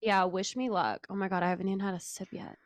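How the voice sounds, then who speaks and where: A woman's voice: medium pitch, steady tone, fast talker, no room sound. A woman co-hosting a casual chat podcast, nasal and stuffed up from a cold, tired and chatty with frequent laughs and fillers. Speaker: podcast co-host.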